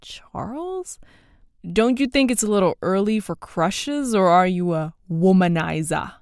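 A woman's voice: fairly high pitch, lively intonation, moderate pace, darkish tone, smooth, no echo, clean studio sound, close to an everyday voice. A woman doing a sneering schoolboy bully. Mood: mocking. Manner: taunting, sneering.

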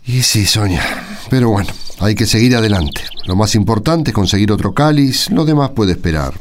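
A man's voice: on the low side, expressive, moderate pace, a little hiss or hum, lightly acted. A man playing a kindly, weary village priest, fatherly and conversational, with an Argentine accent, in a radio drama. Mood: weary, resigned.

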